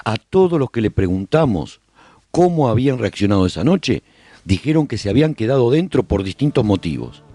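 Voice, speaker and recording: A man's voice: medium pitch, sing-song, a little fast, dark tone, no echo. A man playing a haunted, reflective survivor who chronicles the apocalypse in theatrical, emphatic first-person radio-serial narration. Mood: grave, explanatory.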